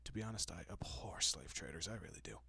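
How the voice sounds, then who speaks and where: A man plays a courteous vampire gentleman in an intimate audio roleplay. His voice is low and husky, slipping often into whispers, captured very dry. He soothes and reassures with polite, old-fashioned tenderness and a quietly possessive air. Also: lively intonation, fast talker, no room sound, full character voice. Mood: calm, apologetic. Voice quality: soft, breathy, often dropping to a whisper.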